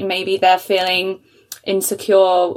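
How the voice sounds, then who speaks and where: A woman with an English accent at a fairly slow pace. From England. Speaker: podcast host. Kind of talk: casual interview chat.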